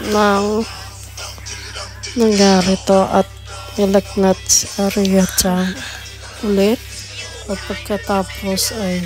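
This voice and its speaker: A woman's voice: medium pitch, rough recording. A young Filipino woman chatting casually as a vlogger and mother in a home family video. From Philippines. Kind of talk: casual family vlog chat.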